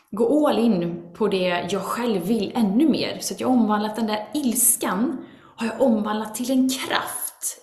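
A woman guest speaks earnestly and animatedly in a casual conversation, her mid-range voice carrying a roomy sound. Now and then she acts out asides voicing her inner critic.

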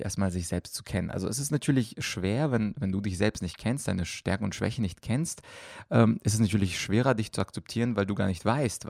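A man's voice: fairly low pitch, creaky, darkish tone, dry recording, clean studio sound. A man speaking as a coach, explaining at length with many fillers on a podcast answering listener questions.

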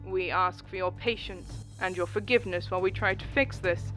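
A woman game master puts on a thin, tinny announcer that crackles out of old-timey speakers with no bass at all. The voice is bright and pushed, loud and formal as it apologizes. It sounds strange and distant. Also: fairly quick, soft background music. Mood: apologetic, formal. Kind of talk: tabletop game narration.

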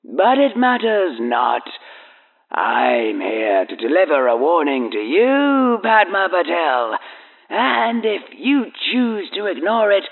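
A man voicing an unseen, whispering male presence that speaks slowly, with a soft hissing menace. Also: high-pitched, very animated, vocal fry, narrow, tinny audio, pitched above the performer's own voice, full character voice. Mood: menacing. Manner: slow, drawn-out, menacing.

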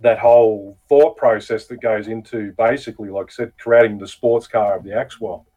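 A man's voice: fairly low pitch, steady tone, moderate pace, mellow, poor audio. Jokey Australian man, enthusiastic co-host. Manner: enthusiastic, jokey, laughs often. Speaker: podcast co-host. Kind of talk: casual podcast chat.

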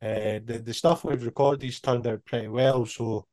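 A man's voice: mid-range voice, normal speed, no echo. Scottish man in his thirties, dry sound. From Scotland. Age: 30s. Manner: relaxed, rambling, lots of "you know". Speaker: band member guest. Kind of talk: casual interview chat.

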